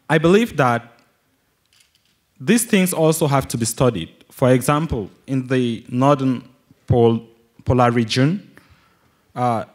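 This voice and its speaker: A young man from Cameroon with a Cameroonian accent, commenting from the audience as a student, in an explanatory way. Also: medium pitch. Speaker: audience questioner, geology PhD student. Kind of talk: question and comment from the floor.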